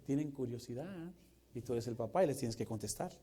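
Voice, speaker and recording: Pastor, male, 40s; mellow voice, animated sermon delivery. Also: mid-range voice, a little fast, slightly rough. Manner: lively, jokey preaching that swings from loud to hushed.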